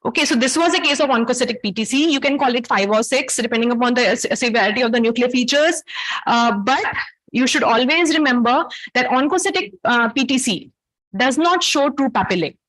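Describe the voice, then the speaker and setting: A woman's voice: fairly high pitch, lively intonation, brisk, fairly bright tone, poor audio. A woman with a South Asian accent giving an interactive academic lecture as a medical teacher, in a didactic manner that puts questions to her listeners.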